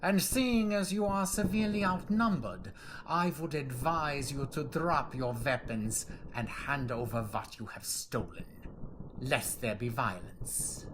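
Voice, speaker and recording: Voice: mid-range voice, a little hiss or hum, lightly acted. An actor playing a ruthless Nazi general in an audio drama, formal and menacingly polite.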